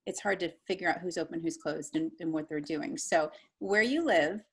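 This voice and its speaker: A woman's voice: low-pitched, moderate pace, fairly bright tone, breathy edge. A woman hosting a casual interview panel from Pittsburgh, upbeat and chatty. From Pittsburgh area. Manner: upbeat, chatty, laughs often. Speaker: podcast host.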